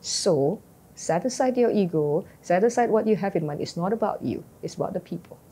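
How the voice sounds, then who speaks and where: A woman with an Indonesian accent, whose first language is Hokkien, talking as a government guest in a casual interview, animated and laughing often. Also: medium pitch, fairly quick, breathy edge. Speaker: vice minister guest.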